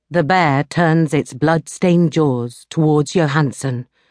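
A woman with a very deep, low pitch speaks in a dramatic tone, very slowly and with lively intonation. The sound is dry and close with no echo, over a quiet background. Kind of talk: audiobook narration of a thriller. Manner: tense, dramatic, building suspense.

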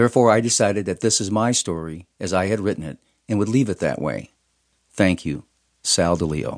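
Fairly low in pitch, a man with an American accent has an unremarkable speaking voice and moves at a fairly quick pace with ordinary pitch variation. The sound is dry and close with no echo, over a quiet background. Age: 60s. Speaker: author narrating own memoir. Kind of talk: audiobook narration.

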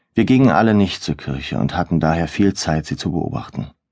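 A man's voice with vocal fry at a moderate pace, against a quiet background. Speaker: audiobook narrator. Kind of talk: audiobook narration, reading a novel aloud. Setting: studio. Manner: measured, even storytelling pace.

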